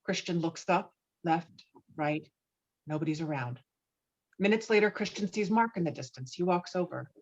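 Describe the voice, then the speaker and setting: A woman's voice: lowish voice, moderate pace. A woman reading out stage directions as scripted screenplay narration. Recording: dull, muffled remote-call audio.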